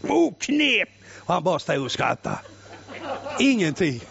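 A male preacher telling a story in a sermon, loud and exclamatory, swinging from shouting to hushed tones. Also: high voice, huge pitch swings, vocal fry, crowd noise. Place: church. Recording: muffled lo-fi recording.

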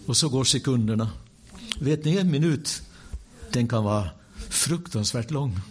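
A male preacher giving a sermon built around a personal story, animated in the telling with wry asides, and dropping to a hush for the quiet moments. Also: medium pitch.

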